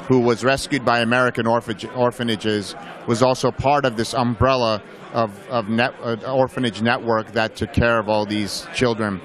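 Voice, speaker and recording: A man's voice: mid-range voice, a bit bright. A man in an interview, earnestly explaining the origins of his film and his organization's work. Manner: earnest, explanatory, some restarts. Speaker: film producer and foundation head.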